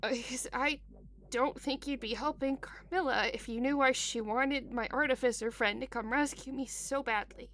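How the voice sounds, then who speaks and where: A woman playing a battered, stubborn, foul-mouthed captive in an audio drama, wry and defiant with a creaky voice. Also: high voice, moderate pace, a bit bright, soft background music. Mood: pained, wry.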